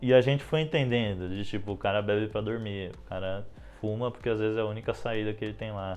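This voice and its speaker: Faint music plays behind a man speaking at a very fast pace. His pitch is fairly low, with fairly even intonation. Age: 20s. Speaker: social project storyteller working with homeless people. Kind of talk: personal testimony interview. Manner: casual, with many fillers. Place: home room. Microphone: lapel.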